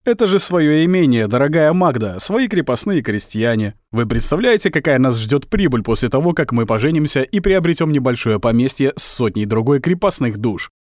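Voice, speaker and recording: Мужчина-чтец озвучивает молодого советского лейтенанта-разведчика, который говорит властно, а порой изображает надменного офицера. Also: male voice, medium pitch, very animated, brisk, hardly any pauses, darkish tone, no echo, clean studio sound, natural voice. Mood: boastful. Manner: commanding, mock-arrogant when posing. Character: brisk young male Soviet scout lieutenant.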